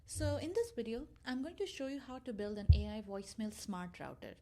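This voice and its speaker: High-pitched woman presenting a software tutorial. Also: big pitch swings, brisk. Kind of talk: casual screencast tutorial walkthrough.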